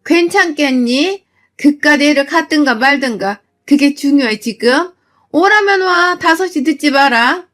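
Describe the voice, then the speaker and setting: A woman voicing a domineering older mother-in-law who shouts orders. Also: high-pitched, expressive, unhurried, voice pushed up. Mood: bossy.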